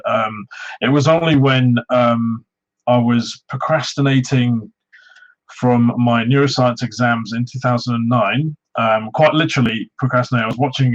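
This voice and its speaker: Man in his thirties, raised in Wales, modest, hesitant, lots of ums, muffled lo-fi sound. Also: mid-range voice. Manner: soft-spoken, modest, hesitant with many ums. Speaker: guest, Pokemon YouTuber. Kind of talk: casual interview chat. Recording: dull lo-fi sound.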